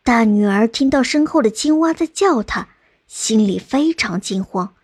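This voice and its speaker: A woman reading a folk tale aloud in a calm, measured storytelling manner. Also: a little high, breathy edge, no room sound, studio quality.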